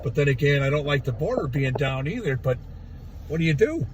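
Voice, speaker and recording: Hoarse, raspy man ranting from his truck. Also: a little high, sing-song, fairly quick, recorded from a distance, slight background noise. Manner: blunt, profane, rambling. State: hoarse from yelling. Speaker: livestreamer at a protest. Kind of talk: casual ranting livestream. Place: inside a parked truck. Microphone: phone.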